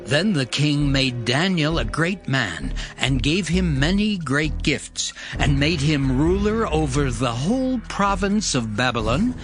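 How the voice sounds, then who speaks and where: A man's voice: a little high, big pitch swings, unhurried, hardly any pauses. A man narrating a dramatized scripture reading as a scripted storyteller. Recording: prominent music behind the voice.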